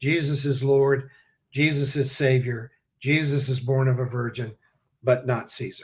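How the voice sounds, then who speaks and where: A man talks at a medium pitch and a fairly slow pace. His voice is somewhat breathy and his intonation monotone and flat. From US, Kentucky. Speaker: pastor. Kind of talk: interview conversation.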